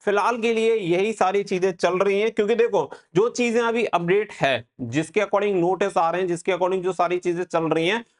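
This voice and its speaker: High-pitched man explaining updates. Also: moderate pace, few pauses. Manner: explanatory and advisory, mixing in English words. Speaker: exam-coaching channel host. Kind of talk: informal exam update addressed to aspirants.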